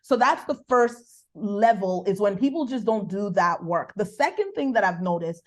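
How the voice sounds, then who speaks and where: Nigerian woman coaching with preacherly energy. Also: mid-range voice. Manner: animated, preacherly, bursts of quick speech. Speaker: business coach, podcast guest. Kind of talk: faith-based coaching conversation.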